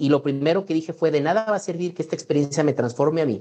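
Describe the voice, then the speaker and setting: A man with a dark, mellow tone speaks at a fairly high pitch with ordinary pitch variation. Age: 40s. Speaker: physician. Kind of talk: interview.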